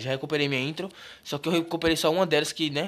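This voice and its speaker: A man talks at a very fast pace with a bright, sharp tone and fairly high pitch. The recording is very clean, with a silent background. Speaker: gaming YouTuber. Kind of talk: casual gameplay commentary.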